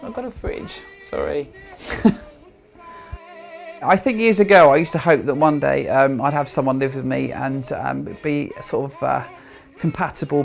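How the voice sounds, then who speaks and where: A man's voice: a little high, gravelly. A man of thirty-five with a British accent, chatting informally and hesitantly in an interview, with old-fashioned turns of phrase. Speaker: interviewee, history enthusiast. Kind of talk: informal interview while showing his home.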